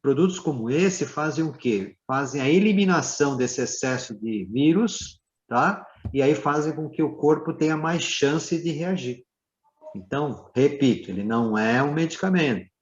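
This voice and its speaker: A man speaking as a dentist guest, explaining slowly with many fillers and tag questions. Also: fairly high pitch, expressive, lo-fi sound. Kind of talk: live Q&A explanation.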